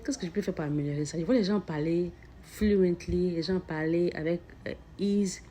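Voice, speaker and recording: A woman's voice: fairly low pitch, normal speed, dark tone, a little hiss or hum. A mother talking earnestly about self-improvement in a casual, reflective way, often stuttering, repeating words and restarting phrases as she speaks straight to the listener. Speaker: mother sharing personal reflections. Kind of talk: casual spiritual self-help talk.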